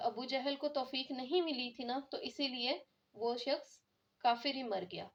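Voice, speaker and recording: Earnest woman lecturer. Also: on the high side. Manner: earnest, explanatory, frequent filler "jo hai na". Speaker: Islamic lecturer. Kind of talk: religious lecture. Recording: dull lo-fi recording.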